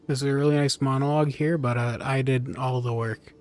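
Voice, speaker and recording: A man's voice: mid-range voice, fairly even intonation, fairly quick, close to an everyday voice. A man playing a laid-back, wry young traveler in a video game, with a casual way of talking. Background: music.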